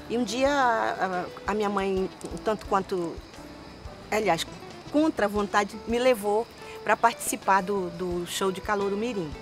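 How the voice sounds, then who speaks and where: Older female singer, lively storyteller, lapel mic outdoors, light music bed. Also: a little high. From Manaus, Brazil. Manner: animated, lively storyteller with hand gestures. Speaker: singer guest. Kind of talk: storytelling interview answers. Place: outdoors in a forest park.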